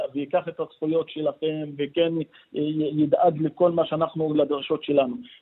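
A man speaks at a fairly high pitch. His delivery is monotone and flat, at a moderate pace. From Umm al-Fahm, Israel. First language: Arabic (speaking Hebrew). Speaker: strategic consultant. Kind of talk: radio interview.

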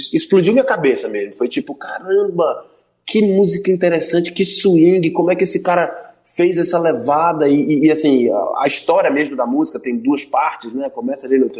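A man's high-pitched voice with lively intonation. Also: big swings in loudness. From Belém, Pará, Brazil. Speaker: musician. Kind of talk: interview.

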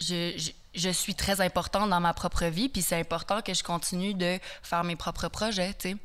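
In a monotone, flat intonation, a woman speaks at a fairly low pitch. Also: very clean recording, silent background. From Quebec, moved around abroad as a child. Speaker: singer. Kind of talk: interview.

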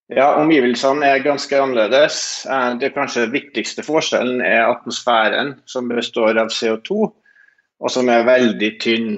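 This man talks at a very slow pace. His voice sits at a medium pitch with ordinary variation. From Norway. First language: Norwegian (speaking Danish). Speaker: aerospace engineer. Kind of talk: interview. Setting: Skype call.

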